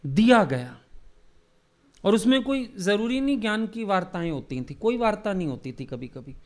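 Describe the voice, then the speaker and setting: A man's voice: high voice, brisk, a little mellow. A man leading a devotional gathering, reminiscing in a storytelling sermon and acting out the dialogue he recalls. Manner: reminiscing, acts out quoted dialogue. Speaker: spiritual teacher leading a satsang.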